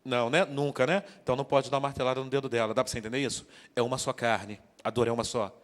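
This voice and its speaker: A man's voice: mid-range voice, steady tone, racing. A man preaching to couples, joking and drawing the congregation into call-and-response. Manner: joking, interactive, calls out to the congregation. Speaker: guest preacher. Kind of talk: sermon. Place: church hall. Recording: long church hall reverb.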